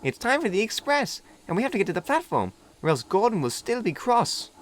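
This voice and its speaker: A man voicing an eager, naive young male diesel engine who talks excitably and stammers when sheepish. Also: sits high, a little fast, pitched above the performer's own voice. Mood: flustered. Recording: music playing behind.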